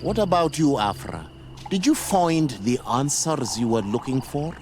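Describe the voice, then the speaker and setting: A grave male tribal elder in a fantasy game, measured and formal, with widely moving pitch. Music plays clearly behind him. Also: very animated, darkish tone. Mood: solemn, kindly. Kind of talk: video game dialogue acting.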